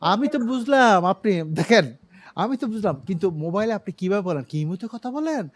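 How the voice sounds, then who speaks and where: A man's voice: sits high, lively intonation, fast. A man teaching an English grammar class over a video call, explaining patiently with everyday examples and repeating the key words.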